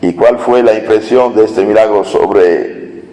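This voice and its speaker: A priest preaching a sermon, telling a Gospel story in a slow homily with hesitations. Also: male voice, on the low side, mellow, big-room sound, low-quality recording.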